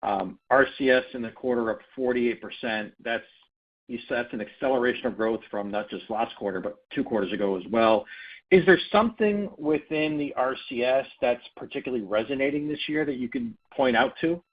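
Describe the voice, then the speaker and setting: A man's voice: medium pitch, fairly quick. A man calling in as a financial analyst to ask a question on an earnings call. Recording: muffled conference call audio.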